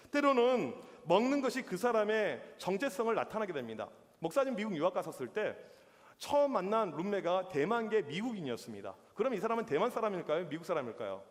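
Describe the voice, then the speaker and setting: Lively youth pastor preaching in a hall. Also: male voice, sits high, brisk. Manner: animated storytelling with acted-out reactions. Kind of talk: sermon. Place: church hall.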